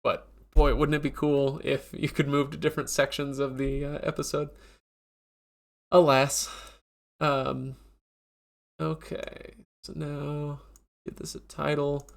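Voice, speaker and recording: Stuffy nasal guy rambling on a live stream, bit high, gravelly edges. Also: level tone, takes it slowly, long pauses. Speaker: podcast host. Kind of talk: casual live-stream chat.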